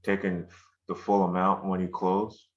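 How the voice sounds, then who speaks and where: A man's voice: deep voice, completely flat delivery, a little slow. A man on a board asking probing questions about a loan's repayment, cautious, with many fillers. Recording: dull lo-fi call audio.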